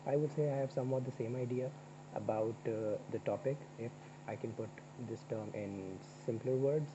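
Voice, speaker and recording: A man's voice: medium pitch, normal speed. Young man from Pakistan, chatty student. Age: young adult. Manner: joking, chatty, asks questions. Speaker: university student. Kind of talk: casual paired discussion. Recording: dull lo-fi sound with clear insect noise.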